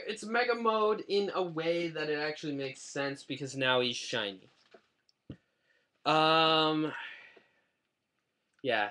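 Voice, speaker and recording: A man's voice: on the high side, bright, forceful tone. A man chatting casually in a rambling, self-deprecating way while reviewing a toy on his webcam at home. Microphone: webcam mic.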